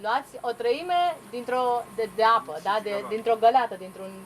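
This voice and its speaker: Woman interpreting hesitantly, slightly high voice. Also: lively intonation, a little hiss or hum, poor audio. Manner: hesitant, with restarts and fillers while translating. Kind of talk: consecutive interpreting.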